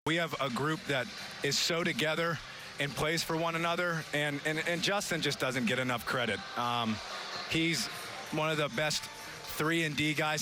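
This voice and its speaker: Higher-voiced man, post-game interview over music.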